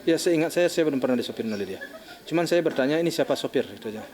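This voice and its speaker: An older man, a bereaved father, recounting events in an interview in a halting, shaken way, often restarting his sentences. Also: medium pitch, lively intonation, a little mellow. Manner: halting, restarting, acting out phone calls.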